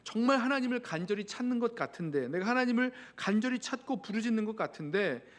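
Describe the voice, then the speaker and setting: High-voiced Korean pastor preaching earnestly. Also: male voice, expressive, quick pace, a bit bright. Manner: earnest preaching, pleading quoted prayers. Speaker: senior pastor. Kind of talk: sermon.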